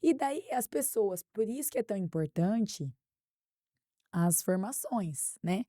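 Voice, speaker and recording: A woman with a Brazilian accent, speaking as a guest expert in an interview and telling anecdotes in a lively way. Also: medium pitch, slow, no echo, studio quality. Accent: Brazilian Portuguese. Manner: animated anecdote-telling, acts out quotes. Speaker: guest expert on workplace harassment. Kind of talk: conversational interview storytelling.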